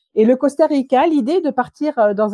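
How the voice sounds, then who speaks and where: With a dark, mellow tone, a woman speaks at a fairly slow pace with lively intonation. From France. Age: 50s. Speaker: life coach. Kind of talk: interview.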